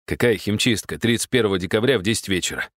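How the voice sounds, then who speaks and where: Brief: smug scheming man, read by a male narrator, deep and dry, audiobook. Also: lively intonation, fairly quick, no echo, lightly acted. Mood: grumbling.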